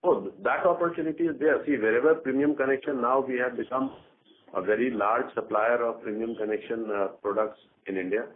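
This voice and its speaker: A man answering as a company executive on an earnings call, speaking in a measured, halting way and often clearing his throat, over a phone line. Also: mid-range voice. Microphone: conference call phone line. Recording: narrow tinny phone line.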